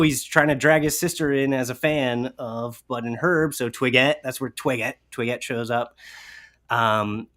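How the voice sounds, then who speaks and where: A man's voice: mid-range voice, a bit bright. A man chatting casually as a guest co-host, in a playful, self-deprecating way. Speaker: guest co-host, writer and voice actor. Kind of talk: casual chat.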